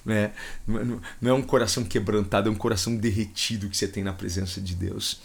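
A man's voice: lowish voice, fairly even intonation, fast talker, gravelly, breathy edge. A man with a Brazilian accent preaching a livestreamed sermon, fervent and repetitive, with emotional swells in his voice. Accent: Brazilian Portuguese.

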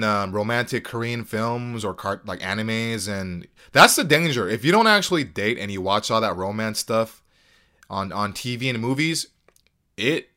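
A man's voice: fairly low pitch, pushed and bright. A man from the United States hosting a casual solo podcast, rambling and swearing freely. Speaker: podcast host.

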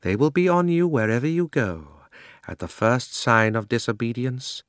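A man voicing a cold, imperious witch queen in a storybook, speaking slowly with threat and command. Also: mid-range voice, expressive, no echo, studio quality, voice pushed up, close to an everyday voice. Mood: menacing. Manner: slow, menacing, commanding delivery.

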